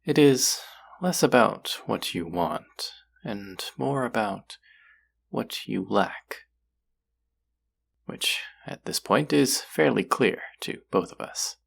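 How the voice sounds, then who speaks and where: A man playing a courtly, possessive demon in a roleplay audio drama, speaking formally and deliberately in a husky, gravelly voice. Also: medium pitch, lively intonation, exaggerated voice. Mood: solemn, coaxing. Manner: formal, slow, deliberate, coaxing. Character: possessive, courtly male demon who hungers for hearts. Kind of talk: scripted roleplay audio drama addressed to the listener.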